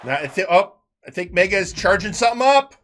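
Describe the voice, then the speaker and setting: A man working as an excitable wrestling commentator, mixing live calls with conversational analysis. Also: sits high, fast.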